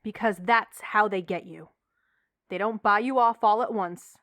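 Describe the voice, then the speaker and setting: A woman's voice: mid-range voice, a little slow, fairly bright tone, slight background noise. A woman playing an impassioned politician in an audio drama, delivering an earnest, rhetorical campaign speech. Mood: grave, warning.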